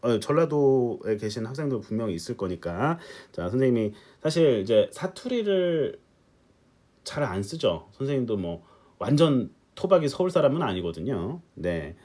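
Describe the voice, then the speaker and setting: A man giving a recorded English test-prep lecture, talking to his students at a middle pitch that rises and falls a lot. He keeps it chatty, with quick rhetorical questions and joking asides. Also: sing-song, dark tone. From Korea.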